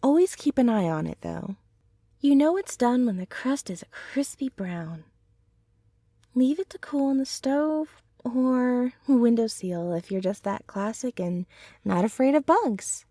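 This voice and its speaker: A gentle, affectionate centaur girlfriend, played by a woman, rambles softly in a soothing ASMR roleplay. Her voice sits a little high and moves at a slow, tender pace. The sound is dry and close, with no room around it. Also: animated, no room sound. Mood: gentle, chatty. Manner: soft, tender, unhurried, rambling. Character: gentle, affectionate young centaur girlfriend, chatty home baker.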